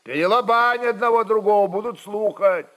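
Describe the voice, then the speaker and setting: Guy doing a fierce cossack boss yelling blunt orders in a war tale, voice pushed up high. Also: moderate pace. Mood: urgent commanding. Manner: shouted, blunt, commanding. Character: fierce Cossack rebel chieftain bellowing battle orders.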